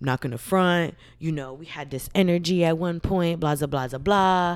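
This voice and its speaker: On a very clean recording with a silent background, the speech moves at a moderate pace with ordinary pitch variation. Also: woman. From New York, Spanish Harlem. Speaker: singer and rapper. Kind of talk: casual chat.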